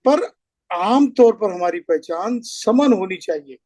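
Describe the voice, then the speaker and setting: High-pitched man, earnest lecturing speaker, dry close sound. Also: lively intonation, slow pace, darkish tone, dry recording. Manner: earnest, lecturing, builds points through lists. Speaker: speaker at a community meeting. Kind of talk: impassioned speech.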